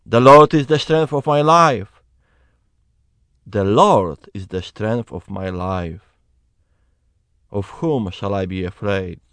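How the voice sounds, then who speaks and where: Slow earnest man with a Polish accent. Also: fairly low pitch, a bit bright, clean tone, no echo. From Poland. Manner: slow, earnest, emphatic preaching. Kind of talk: personal testimony, Bible reading.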